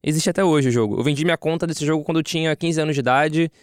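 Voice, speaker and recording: Man, smooth clear voice, dry close sound, casual podcast chat. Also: a little high, very fast, dry recording.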